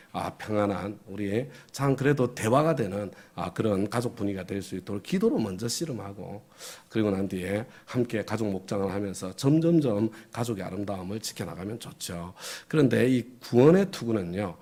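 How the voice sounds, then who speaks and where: A man's voice: fairly low pitch, expressive, normal speed, warm tone. A middle-aged man preaching a sermon as pastor, conversational, often asking the congregation questions and chuckling.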